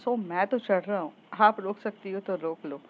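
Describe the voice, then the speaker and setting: A woman's voice: mid-range voice, moderate pace, dull audio, slight background noise, close to an everyday voice. A woman reading as Manav, a cocky young man.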